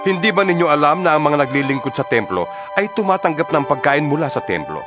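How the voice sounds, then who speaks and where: Fast and fairly high, with big pitch swings, a Filipino-accented man voices Paul, an earnest, impassioned apostle addressing his church. He sounds earnest and reasoning, asking emphatic rhetorical questions in an oratorical style. The Tagalog dramatized Bible reading is recorded in a studio over clear instrumental music.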